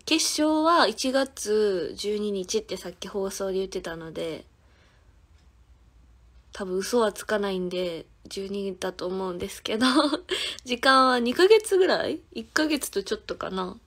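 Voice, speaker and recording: Her voice is mid-range, expressive and a bit bright, paced in a measured way: she is a twenty-something idol singer with a Kansai accent hosting a phone livestream. She chats casually, giggles, and answers each viewer's comment in turn.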